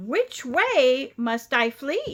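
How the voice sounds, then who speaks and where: A woman's put-on character voice, high in pitch with lively intonation. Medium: read story. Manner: fearful, pleading.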